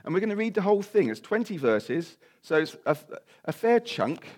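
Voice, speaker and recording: A man preaching a sermon and reading scripture aloud, his voice croaky and a little nasal from a cold, with informal asides. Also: high voice, sing-song, normal speed, darkish tone.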